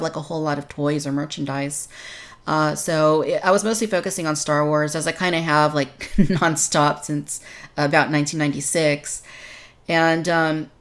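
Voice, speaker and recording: Low-voiced woman hosting a podcast. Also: fairly bright tone. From Texas, United States. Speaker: podcast host. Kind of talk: conversational podcast discussion.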